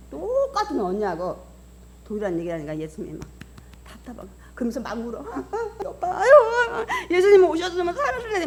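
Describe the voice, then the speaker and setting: A middle-aged woman pastor preaching a sermon, acting out the voices of the people in the story. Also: mid-range voice. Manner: animated preaching, acting out voices of Bible figures.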